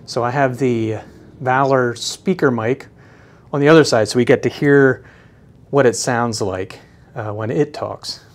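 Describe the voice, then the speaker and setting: Guy doing an offhand gear review, average pitch, kinda halting and hunting for his words. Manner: hesitant, halting, often searching for words. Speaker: product reviewer. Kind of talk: casual unscripted product demonstration.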